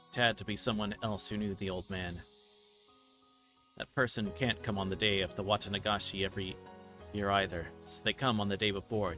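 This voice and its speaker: A man livestreams a visual novel, reading its narration aloud and occasionally stumbling over words. His voice is lowish and a bit bright, with game music playing behind it.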